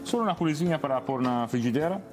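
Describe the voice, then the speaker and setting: A man from Tuscany with an Italian accent, whose first language is Italian, explaining a recipe calmly as a guest chef in halting Portuguese. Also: fairly high pitch. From Tuscany, Italy. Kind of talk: cooking demonstration on TV. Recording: TV studio with background music.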